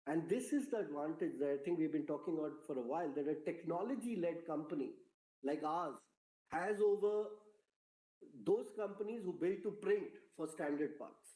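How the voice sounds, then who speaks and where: A man with a fairly high, mellow voice delivers a prepared corporate presentation in a roomy, echoing space. His tone is soft-edged and relaxed, and his delivery is measured and formal, like an executive briefing investors on a conference call. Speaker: company executive.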